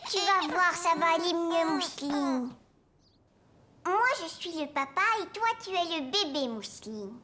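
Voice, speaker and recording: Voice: very high-pitched, lively intonation, unhurried, a loud crowd. A performer voicing a curious, cheerful four-year-old boy in a children's cartoon, speaking in an earnest, childlike way. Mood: playful. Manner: childlike, earnest, simply phrased.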